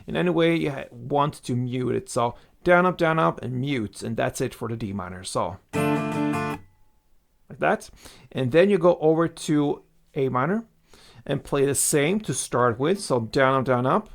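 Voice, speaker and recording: A man's voice: medium pitch, expressive, unhurried, creaky. A man giving casual, step-by-step guitar instruction, counting out strumming strokes as he goes, with acoustic guitar behind him. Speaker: guitar teacher. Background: acoustic guitar playing.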